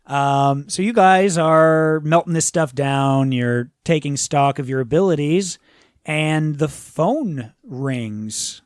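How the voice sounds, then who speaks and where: A man's voice: fairly high pitch, slow, clean tone, no room sound, studio quality. A man improvising casual tabletop game narration as game master, informal and given to swearing.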